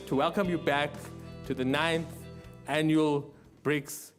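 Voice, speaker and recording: A man's voice: a little high, steady tone, takes it slowly, faint music behind. A man welcoming delegates to a summit on behalf of the government, in a ceremonious formal address.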